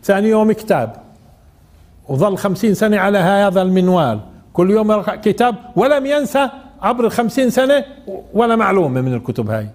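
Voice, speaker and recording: Older male Quran teacher, high pitch, conversational lecturing. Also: animated, fast talker, a little mellow. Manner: conversational, asks the audience questions. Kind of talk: informal religious lesson.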